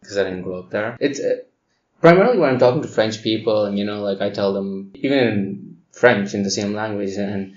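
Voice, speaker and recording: A man who grew up in Pakistan, a podcast guest, answering in a hesitant, soft-spoken way. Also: fairly low pitch, fairly quick. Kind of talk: casual interview answer. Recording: roomy, lo-fi recording.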